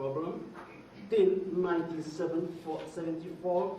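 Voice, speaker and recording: There is noticeable background noise and audible room echo. A man with a high pitch talks at a fairly slow pace. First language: not English; English is third language. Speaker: conference speaker, media researcher. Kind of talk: conference talk. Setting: conference with audience. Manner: halting.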